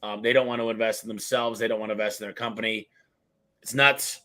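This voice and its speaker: A man in his late thirties hosting a casual podcast interview, talking in an energetic, rambling, self-deprecating way with casual slang. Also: on the low side, fast talker. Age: 30s. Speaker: podcast host.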